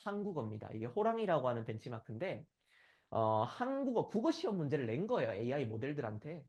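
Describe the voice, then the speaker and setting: A man from South Korea's Gyeongsang region gives a conference lecture, frequently checking for the audience's agreement as he speaks. His voice sits at a medium pitch and sounds slightly mellow, and he talks quickly with a great deal of animation.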